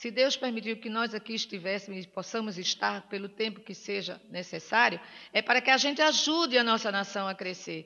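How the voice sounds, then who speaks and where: The speaker moves at a moderate pace, and the pitch varies in an ordinary way. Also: woman, fairly high pitch for a woman. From Northeast Brazil. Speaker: spiritist lecturer. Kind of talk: spiritual talk.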